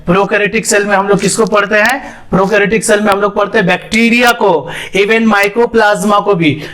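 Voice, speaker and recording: A man's voice: high voice, steady tone, moderate pace, a bit bright. A young man teaching a biology lesson, asking questions and answering them himself, mixing English terms into his speech. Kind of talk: classroom lesson with whiteboard.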